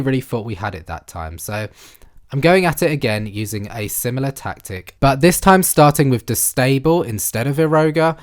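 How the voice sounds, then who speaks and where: Congested man narrating gameplay, animated. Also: medium pitch. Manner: chatty, animated, self-narrating. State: congested, blocked nose from illness. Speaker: gaming YouTuber. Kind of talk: game commentary voice-over.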